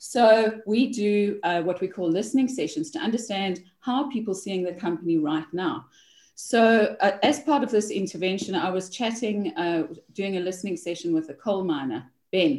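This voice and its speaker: A woman with an unremarkable speaking voice, medium pitch, moderate pace and lively intonation. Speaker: leadership consultant and author. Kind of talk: casual interview.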